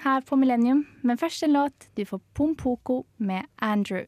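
High-voiced woman hosting radio. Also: a little mellow, dry recording. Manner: brisk interjections, quick questions. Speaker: radio show host. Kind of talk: hosting casual radio talk. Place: radio studio.

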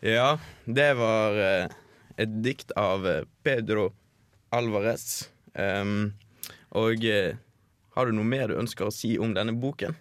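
A man's voice: fairly low pitch, no echo. A man hosting a radio segment, presenting items casually with fillers. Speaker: radio host.

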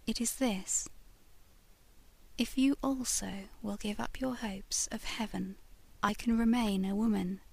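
A woman voicing a ghostly young woman returned from a portrait, speaking in a slow, yearning, hushed whisper. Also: mid-range voice, fairly even intonation, creaky, breathy edge. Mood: pleading.

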